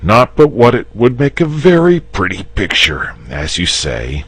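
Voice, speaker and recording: A man's voice: extremely low pitch, expressive, a little slow, breathy edge, dry recording, heavily acted. A man voicing a lazy, fussy male dragon in a storybook reading, speaking coyly and a bit testily. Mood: mild. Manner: wavering, testy, gently pleading.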